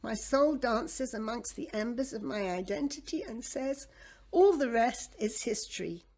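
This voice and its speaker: A woman from Egypt reciting her own poem in a dramatic way, with wide swings in pitch and loudness. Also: animated, unhurried.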